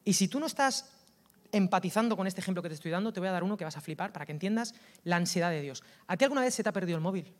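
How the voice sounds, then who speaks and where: A man with a Valencian Spanish accent, preaching a lively, colloquial sermon that swings from loud outbursts to hushed asides. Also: high-pitched, rapid-fire. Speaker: pastor.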